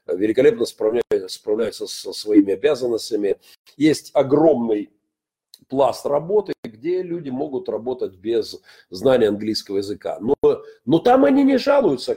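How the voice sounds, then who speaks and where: A middle-aged man from Ukraine, a pastor giving his own opinion broadcast, pausing often on "uh" and pushing up high on stressed words. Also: dark tone, husky. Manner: frequent "э" hesitations, emphatic rises. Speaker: pastor and commentator.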